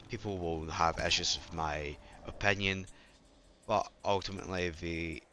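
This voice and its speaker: Low-voiced man with a sore throat. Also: bright, forceful tone. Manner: rambling, self-correcting, apologetic. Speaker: gaming channel host. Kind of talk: casual gameplay commentary. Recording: game music playing behind.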